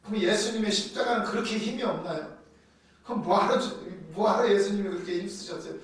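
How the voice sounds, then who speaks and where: A man preaching a sermon, telling Bible stories in a lively way and acting out the quotes. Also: high voice, fast. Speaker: pastor. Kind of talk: sermon teaching on doctrine. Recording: echoey hall from far off.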